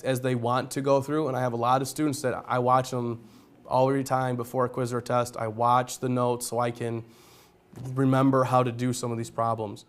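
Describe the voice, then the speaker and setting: A man who teaches geometry speaks in a loud, smooth, resonant voice. He explains his classroom setup plainly, one step at a time, like a demonstration for colleagues. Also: medium pitch. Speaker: high school geometry teacher.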